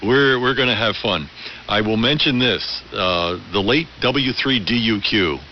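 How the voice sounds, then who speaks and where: Male ham radio operator, lowish voice, friendly and playful, AM signal with faint hiss. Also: a little slow, lo-fi sound. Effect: AM radio transmission. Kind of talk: casual radio chat. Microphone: radio microphone heard over receiver.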